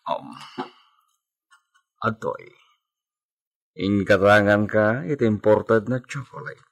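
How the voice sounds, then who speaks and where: A man playing a landowner husband who dotes on his wife, speaking softly and teasingly. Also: lowish voice, takes it slowly, creaky, exaggerated voice. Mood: tender. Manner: soft, doting, teasing. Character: landowner husband, tender and protective. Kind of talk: amateur audio drama acting.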